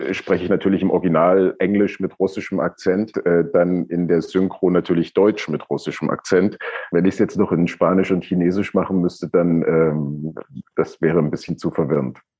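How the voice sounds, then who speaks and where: A man talks at a moderate pace in a very deep, low pitch. His intonation stays fairly even. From East Germany. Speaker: actor. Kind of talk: interview.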